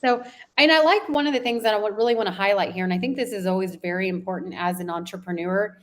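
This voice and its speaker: A woman's voice: mid-range voice, fast. A woman hosting a business interview show, encouraging and enthusiastic with her guest. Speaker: podcast host, interviewer.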